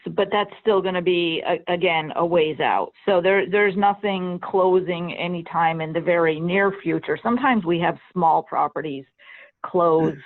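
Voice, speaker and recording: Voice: mid-range voice, moderate pace. A committee chair who talks hesitantly in a meeting, with many restarts and repeated okays. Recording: tinny phone line.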